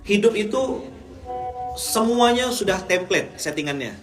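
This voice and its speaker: Joking Indonesian preacher in a roomy hall. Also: male voice, high-pitched, expressive, measured pace, music in the background. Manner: jokey, teasing, asks the crowd questions. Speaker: Islamic preacher. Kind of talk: humorous sermon to a live audience. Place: hall in Japan.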